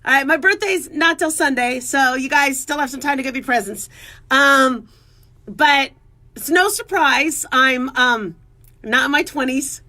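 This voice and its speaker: Bright, high-voiced woman radio host. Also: measured pace. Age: 40s. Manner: chatty, self-mocking, lively and joking. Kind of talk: casual talk radio monologue.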